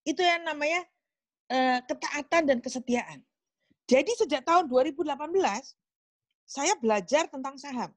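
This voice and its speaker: Speaking at normal speed with frequent pauses, a high-pitched woman gives a relaxed, chatty sermon to a small group meeting. She acts out short dialogues with God, and there is no echo.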